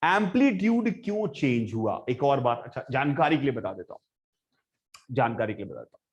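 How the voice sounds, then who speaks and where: A man lecturing a physics class, switching between quiet and loud talk as he works problems and speaks to his students. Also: mid-range voice, normal speed, highs cut off. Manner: animated, swings between soft and loud, addresses students directly. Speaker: physics teacher.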